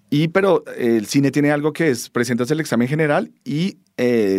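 A man with a Bogotá accent talks at a fairly quick pace with ordinary pitch variation on a very clean recording with a silent background. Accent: Bogotá Colombian Spanish. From Bogotá, Colombia. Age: 30s. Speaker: film director. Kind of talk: interview. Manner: hesitant, many fillers.

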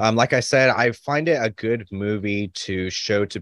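Against a quiet background, a man talks in a normal speaking voice with a fairly low pitch, ordinary pitch variation, and a dry, close sound with no echo. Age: 20s. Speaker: podcast host, guest. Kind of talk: casual chat.

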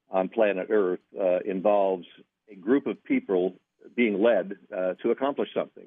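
A man uses an ordinary speaking voice, talking at a medium speed with fairly even intonation and a fairly low pitch. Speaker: author and former nonprofit executive. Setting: remote interview via phone or link.

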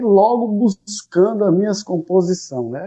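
A man speaks in a high pitch with a dark, mellow tone. His intonation is lively, and his pace is fairly slow. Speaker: guitarist. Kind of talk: interview.

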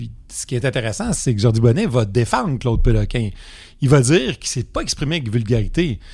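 Vocal fry runs through a very fast, lively delivery in a very clean recording with a silent background. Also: man. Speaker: podcast host. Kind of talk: casual chat; scripted narration.

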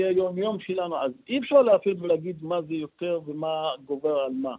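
A man speaks with an Arabic accent. His voice sits high in pitch. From Umm al-Fahm, Israel. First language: Arabic (speaking Hebrew). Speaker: strategic consultant. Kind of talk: radio interview.

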